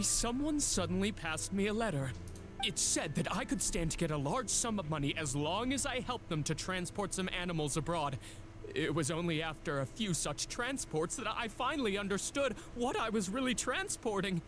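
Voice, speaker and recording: Bernard, a cowering smuggler. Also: male voice, high-pitched, a bit bright, a little hiss or hum. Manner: pleading, defensive, self-pitying. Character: cowardly guilty male smuggler begging for mercy. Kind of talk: game voice acting.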